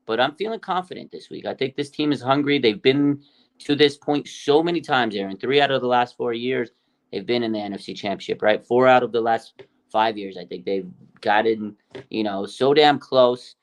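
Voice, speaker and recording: A man's voice: medium pitch, moderate pace. A man co-hosting a casual sports podcast, talking in an emphatic, enthusiastic way. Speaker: podcast co-host.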